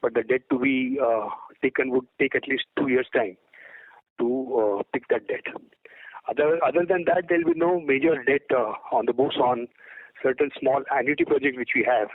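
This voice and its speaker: A man's voice: medium pitch, normal speed, dry recording, phone-quality sound. A man with an Indian accent, a company executive answering questions on an earnings call, hesitant and repeating words, over a phone conference line.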